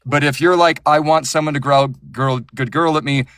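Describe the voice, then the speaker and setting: A man's voice: on the high side, steady tone, moderate pace, fairly bright tone, no echo, clean studio sound. A man who narrates audiobooks, talking passionately and with strong opinions in a casual interview, often restarting his sentences.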